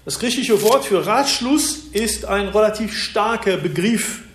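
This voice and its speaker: A man preaching a Bible-teaching sermon, explaining verses slowly and deliberately with occasional hesitations. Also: high-pitched, fairly bright tone, echoey room. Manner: slow, deliberate expository delivery with some hesitations.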